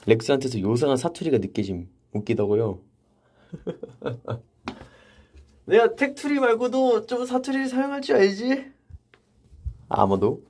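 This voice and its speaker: A young man hosting a casual livestream from a vocal practice room, reading viewer comments aloud and answering them in a relaxed, chatty way. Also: sits high, measured pace, pauses often. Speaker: idol livestream host.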